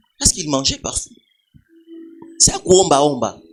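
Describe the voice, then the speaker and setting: A man's fairly high voice at a moderate pace, with music playing behind. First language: Swahili (speaking French). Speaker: pastor. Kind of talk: sermon. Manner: animated.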